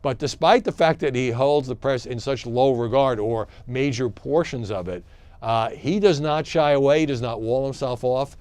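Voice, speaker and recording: A man giving conversational opinion commentary, halting at times and stressing key words. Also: medium pitch, a little mellow, smooth, no echo. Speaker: media commentator.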